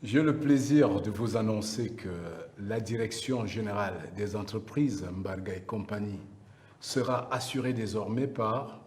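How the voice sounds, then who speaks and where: A man playing a company patriarch in a TV drama, speaking in a formal, ceremonious and deliberate way. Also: fairly low pitch, a little mellow, a little hiss or hum, natural voice. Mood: solemn. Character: formal male company patriarch announcing a successor. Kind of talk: TV drama acting.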